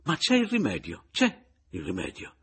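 A man's voice: fairly high pitch, wildly swooping pitch, moderate pace, slightly rough, voice pushed up, full character voice. A man reading an audiobook, voicing an obsequious male secretary with a pleading, fawning manner. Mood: eager.

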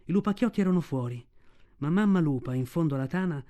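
A man reading a classic novel aloud in a calm, measured audiobook narration. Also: a little high.

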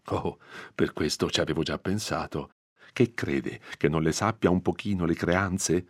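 A man's voice: low-pitched, measured pace, slightly rough, no echo, studio quality, full character voice. A man doing a plaintive peasant mother. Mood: defensive. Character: simple, grieving peasant mother.

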